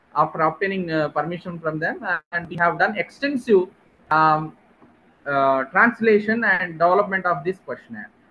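Against light background noise, a man speaks at a high pitch. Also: ordinary pitch variation, moderate pace. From India. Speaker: audiologist; presenter. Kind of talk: lecture. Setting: video call. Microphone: video call.

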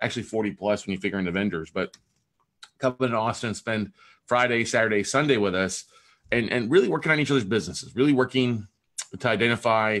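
A man talks fairly quickly with ordinary pitch variation over a quiet background. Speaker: podcast host. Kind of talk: casual podcast monologue. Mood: upbeat, grateful. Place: home room. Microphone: webcam.

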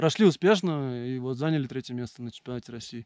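Lively in intonation and dark and mellow in tone, a man talks at a fairly quick pace in a dry, close recording with no echo and a quiet background. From Moscow, Russia. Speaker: mountaineer and rafter. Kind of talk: interview. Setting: mountain hut. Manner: hesitant, many fillers.

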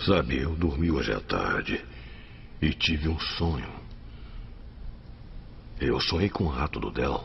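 A man's very deep, low voice with vocal fry and ordinary pitch variation, at a fairly slow pace with long, frequent pauses and light background noise. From Brazil. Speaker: voice actor. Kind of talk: film dub. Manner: emotional, sad. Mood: sad, weary, tearful. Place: booth.

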